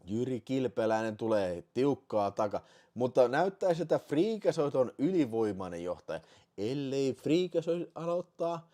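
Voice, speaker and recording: Excitable man hosting a stream. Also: medium pitch. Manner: swears a lot, shifts from excited shouting to muttering. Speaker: channel host. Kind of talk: casual livestream chat.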